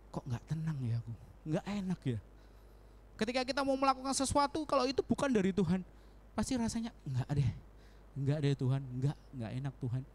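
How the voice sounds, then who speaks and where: A young man preaching a casual sermon in a church, animated, acting out prayers in quoted voices and laughing often. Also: high voice. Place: church hall.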